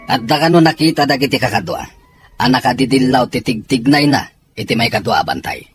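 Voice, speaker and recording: A man playing an earnest soldier in an audio drama, with a rough, husky voice and a Filipino accent. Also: medium pitch, fairly quick, faint music behind, natural voice. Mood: grave, urgent. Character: earnest Filipino soldier readying comrades for battle. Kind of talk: Ilocano audio drama acting.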